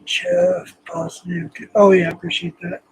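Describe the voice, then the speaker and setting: Hoarse man losing his voice. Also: sits high, flat delivery, moderate pace, a little mellow. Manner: rambling, reads chat aloud, frequent ums. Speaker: livestream host. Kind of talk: casual livestream chat.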